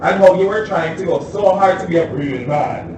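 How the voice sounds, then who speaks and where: An actor with a Jamaican accent playing a sharp-tongued young trans woman in a stage play, mocking and biting. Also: sits high, normal speed. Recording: distant echoey stage recording with noise.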